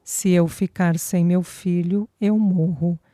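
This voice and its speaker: A woman's voice: on the low side, steady tone, slow pace, mellow, dry recording, clean studio sound. A woman reading a young mother's lines with emotional, pleading speech.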